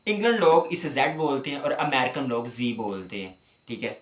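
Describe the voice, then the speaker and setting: Guy tutoring english at home, slow repeat-after-me drills, mid voice, echoey room. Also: mid-range voice, big pitch swings. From Pakistan. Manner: patient, repeats words slowly for drilling. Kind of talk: classroom teaching, explaining pronunciation. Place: room in a home during home tuition.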